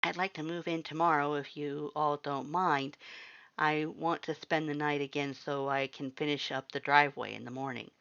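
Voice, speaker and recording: Woman as a friendly, low-voiced human houseguest. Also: fairly even intonation, moderate pace, gravelly, fairly bright tone, clean tone, lo-fi sound. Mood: polite.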